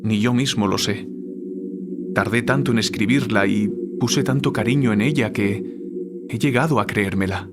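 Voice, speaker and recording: Male actor as a guilt-ridden writer, deliberate and literary, lower register, music underneath, for audio drama. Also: lightly acted. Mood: regretful.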